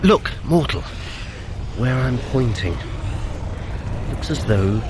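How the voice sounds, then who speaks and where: An actor playing a sly Norse trickster god and mage in a fantasy audio drama, with a wry, theatrical manner. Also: male voice, medium pitch, expressive, takes it slowly, background noise. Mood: watchful, concerned. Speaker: actor in an audio fitness adventure.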